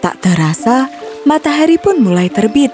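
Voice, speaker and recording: A woman narrating a children's fairy tale in a scripted, expressive storybook manner. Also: sits high, moderate pace, over music.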